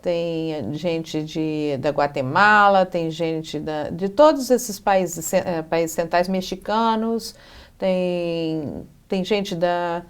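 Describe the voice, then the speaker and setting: Middle-aged woman, measured and thoughtful. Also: on the low side, clean tone. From Brazil. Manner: thoughtful, pauses to search for words. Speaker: interview guest, educational psychologist. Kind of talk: TV interview answers.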